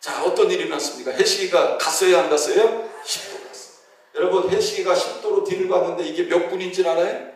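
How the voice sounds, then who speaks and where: A man preaching a lively sermon with a high voice. He asks questions of the congregation and answers them, and he briefly voices the figures of a Bible story. He is recorded from a distance in a church hall with heavy echo. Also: brisk. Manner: acts out the voices of biblical figures in dialogue. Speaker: pastor. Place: church sanctuary. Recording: very echoey hall, heard from a distance.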